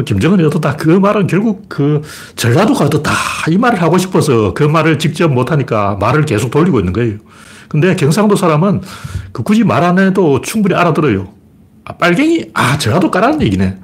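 A man hosts a casual livestream, talking bluntly and at length, his voice a bit higher than most men's. His pitch swings widely as he jumps up to mimic people mid-sentence, then drops back into plain musing. He greets viewers by name between his points. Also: darkish tone. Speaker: live stream host. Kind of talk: casual political commentary livestream.

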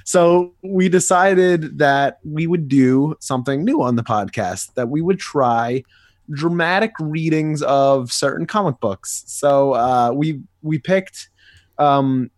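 A man's voice: on the high side, takes it slowly, no echo, studio quality. A young man co-hosting a podcast in a casual, hesitant, rambling and self-deprecating way. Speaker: podcast co-host. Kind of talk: casual chat.

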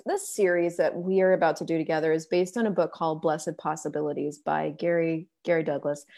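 A woman hosts a loose conversation over a video call. Her voice sits low for a woman, and her talk wanders, breaking off and restarting as she hunts for her point. She swears now and then without fuss. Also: darkish tone. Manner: scattered, self-interrupting, swears casually. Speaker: podcast host and facilitator. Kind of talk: casual video-call chat.

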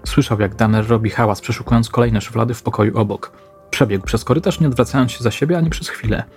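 A man narrating a scripted crime story in a slow, measured way. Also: mid-range voice, faint music behind.

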